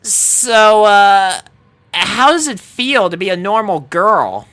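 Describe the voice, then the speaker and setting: A woman's voice: mid-range voice, sing-song, slow pace, fairly bright tone, pitched above the performer's own voice. A woman voicing a brash, sporty teenage tomboy in a story reading, with a blunt, cocky delivery. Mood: awkward.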